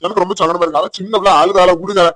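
A man's voice: high voice, fairly even intonation, rapid-fire, a bit bright. A man voicing a protective village father with a Tirunelveli Tamil accent, firm and reassuring, in a cartoon.

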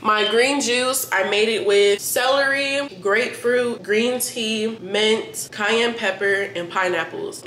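Here a young adult woman with a mid-range, fairly bright voice chats directly to viewers, bluntly and with plenty of profanity, while vlogging her day. She sounds slightly stuffy-nosed, and the recording catches an echoey room full of clattering dishes.

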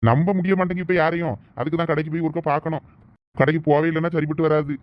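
A man's voice: fairly high pitch, steady tone, rapid-fire, lo-fi sound. A man with a Thoothukudi Tamil accent, bossy and scolding in a village comedy skit. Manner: bossy, scolding husband talk.

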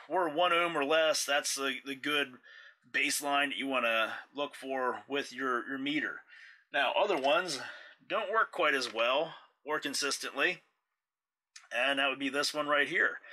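A man giving a casual hands-on repair tutorial indoors, explaining step by step as he works. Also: mid-range voice. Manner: relaxed, explanatory, talks while working. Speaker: mower repair technician.

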